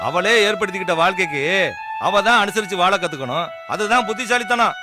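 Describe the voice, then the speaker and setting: An actor playing a stern village elder brother with a rural Tamil Nadu accent, authoritative, speaking in proverbs, in film drama. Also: male voice, high-pitched, expressive, fast talker. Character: stern patriarchal village elder brother and husband laying down rules. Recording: film soundtrack with music under voice.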